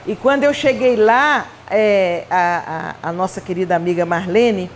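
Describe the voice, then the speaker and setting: A Brazilian woman giving a Spiritist conference talk, telling personal stories in an animated, chatty way with playful asides. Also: medium pitch, a little slow, slight background noise. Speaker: Spiritist speaker. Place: event hall.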